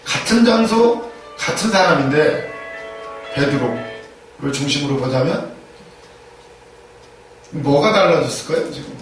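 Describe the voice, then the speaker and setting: A man's voice: fairly high pitch, animated, unhurried, pauses often, faint music behind. Male pastor delivering an emphatic sermon, heavy room echo from a distant mic. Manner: emphatic, repeats key phrases, asks rhetorical questions. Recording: echoey room, distant mic, faint noise.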